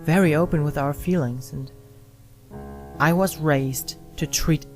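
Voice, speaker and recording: Narrator for a first-person tale: unhurried, pausing often between phrases, with soft instrumental music underneath. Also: mid-range voice. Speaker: story narrator. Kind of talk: scripted first-person scary story narration. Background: music with guitar and piano.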